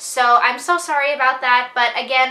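Monotone, flat intonation with audible room echo. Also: woman. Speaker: haul vlogger. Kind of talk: casual vlog chat. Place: home room. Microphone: camera far.

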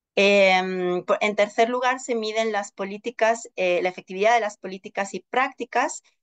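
Against a quiet background, a woman speaks at a moderate pace with a fairly high pitch and ordinary pitch variation. She has a plain, everyday voice. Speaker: customer experience manager at certification firm; presenter. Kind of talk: online workshop presentation. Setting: video call. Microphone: video call.

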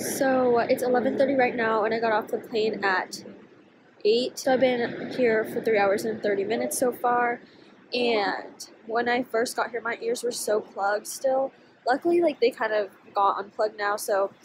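A woman at a moderate pace, fairly even in intonation, over noticeable background noise. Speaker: travel vlogger. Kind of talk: casual vlog chat. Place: station. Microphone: phone near.

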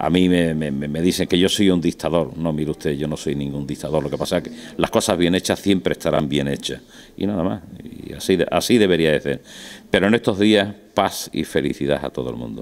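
This man's voice is very deep and low, with vocal fry. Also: ordinary pitch variation. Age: 50s. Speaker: businessman and brotherhood president; interviewee. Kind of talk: interview. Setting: dinner event. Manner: halting. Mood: warm, festive. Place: bar. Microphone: handheld.

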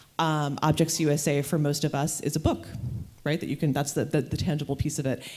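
A woman's very deep, low voice, dark and mellow in tone, monotone and flat, at a fairly quick pace. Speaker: craft writer; panelist. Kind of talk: panel discussion. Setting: stage with audience. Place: hall. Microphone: handheld.

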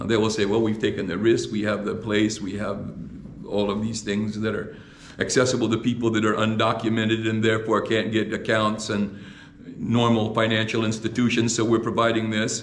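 A man's fairly low, monotone voice with flat intonation, amid audible room echo and light background noise. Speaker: priest. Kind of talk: sermon. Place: church. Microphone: podium.

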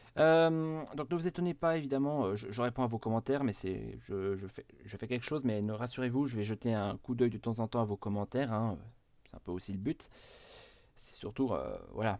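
With lively intonation and a medium pitch, a man talks at a moderate pace in a very clean recording with a silent background. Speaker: gaming streamer. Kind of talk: live stream commentary. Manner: hesitant, many fillers.

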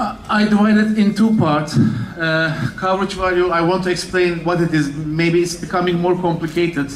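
Amid light background noise and audible room echo, a man talks at a fairly quick pace with ordinary pitch variation. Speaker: conference presenter. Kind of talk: lecture. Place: hall.

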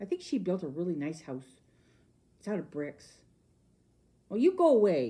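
A woman's cartoonish character voice at medium pitch and moderate pace, with long, frequent pauses. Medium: puppet.

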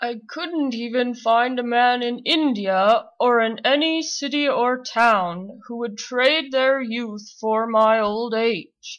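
A man uses a put-on character voice at an extremely high pitch. He talks at a fairly slow pace with hardly any pauses. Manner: gentle, scolding, weary.

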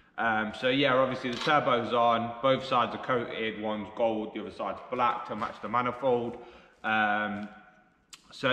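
A man speaks with fairly even intonation. The room echo is audible. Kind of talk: casual vlog update. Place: workshop. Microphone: camera far.

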